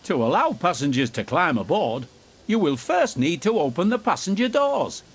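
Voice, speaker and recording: A man's voice: a little high, very animated, moderate pace, breathy edge, full character voice. A man playing an encouraging, instructive narrator in a scripted children's train game tutorial. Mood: instructive, calm. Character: encouraging male tutorial narrator guiding young train drivers.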